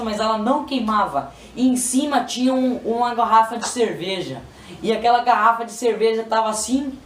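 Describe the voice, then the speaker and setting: A man with a Brazilian Portuguese accent telling a spiritual testimony in a repetitive, pleading, emotional way. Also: extremely high pitch. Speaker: person giving a religious testimony. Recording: roomy, distant mic, faint noise.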